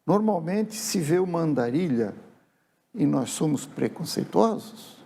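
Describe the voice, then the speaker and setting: Man, warm dark tone, reflective storyteller, tag questions. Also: on the high side, animated, measured pace, gravelly, slightly rough. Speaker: writer and guest. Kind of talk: casual TV interview storytelling. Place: TV studio.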